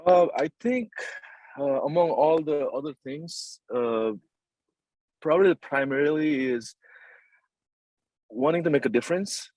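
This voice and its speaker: A man's voice: on the high side, measured pace, pauses often, a little mellow, dry recording, low-quality recording. Hesitant Nepal-born man with a dry sound. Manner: hesitant, many fillers and repeated words, polite "yes, sir". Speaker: construction company CEO, guest. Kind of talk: casual interview answers.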